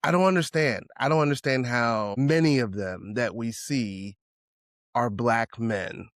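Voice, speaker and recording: A man's voice: mid-range voice, slow, no echo. Man musing in a dry, close podcast chat. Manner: rambling, with many restarts and "right?". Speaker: podcast co-host. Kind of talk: casual conversational podcast chat.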